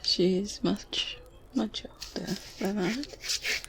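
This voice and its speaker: A woman playing a kindly medieval witch in an ASMR roleplay, softly spoken and breathy, gentle and deliberate with small murmured hums. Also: medium pitch, low-quality recording. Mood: amused, unhurried. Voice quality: soft, breathy whispering. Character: kindly, unhurried medieval witch at her grimoire.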